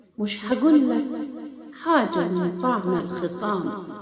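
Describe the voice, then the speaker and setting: Lively intonation marks this very slow speech in an Upper Egyptian accent, heard over noticeable background noise. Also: woman. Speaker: poet. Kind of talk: poetry reading.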